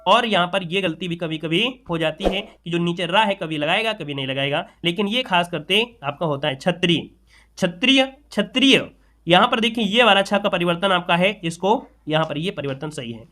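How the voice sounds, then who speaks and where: A man's voice: sits high, normal speed, pushed and bright. A man teaching correct spelling to exam students, repeating each word and calling his viewers friends. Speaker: exam tutor.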